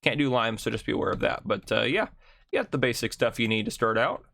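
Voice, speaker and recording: A man hosting a casual video game map tour, chatty and thinking aloud, his voice gravelly from just waking up. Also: mid-range voice, big pitch swings, a bit bright. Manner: chatty, thinks aloud with ums and quick asides. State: gravelly morning voice. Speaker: gaming channel host.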